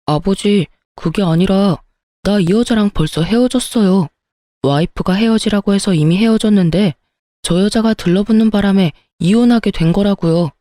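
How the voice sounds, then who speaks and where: A woman's voice: medium pitch, normal speed, warm tone, dry recording, studio quality, lightly acted. A woman voicing a young husband who pleads and makes excuses, in a dramatized story. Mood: pleading. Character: young adult man, cheating pleading husband.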